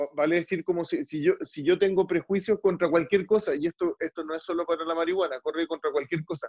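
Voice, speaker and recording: A man with a Chilean accent talks at a very fast pace with hardly any pauses. His pitch is high, and his intonation stays fairly even. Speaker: journalist and comedy writer. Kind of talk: casual interview chat. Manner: halting, frequent repetitions.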